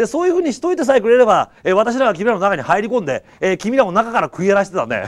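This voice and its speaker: A man talks at a very fast pace with a high pitch and very wide pitch swings, over a quiet background. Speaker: cram school English teacher. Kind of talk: lecture. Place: classroom. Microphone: lapel.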